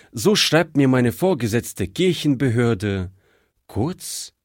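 A man's voice: medium pitch, no echo, clean studio sound. A man voicing a middle-aged pastor from Alsace who speaks earnestly and soothingly but is easily stirred. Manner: earnest, soothing, grows agitated.

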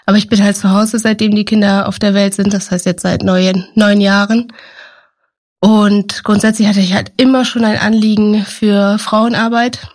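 A woman in her thirties, speaking thoughtfully as an interview guest, often pausing with fillers. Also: mid-range voice, little pitch movement, a little mellow. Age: 30s. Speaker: guest, team coordinator. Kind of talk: interview conversation.

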